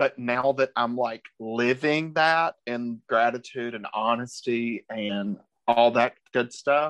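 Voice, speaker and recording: A man's medium-pitched voice at a very slow pace with hardly any pauses and fairly even intonation, in a dry, close sound with no echo against a quiet background. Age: 30s. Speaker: singer. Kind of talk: casual chat.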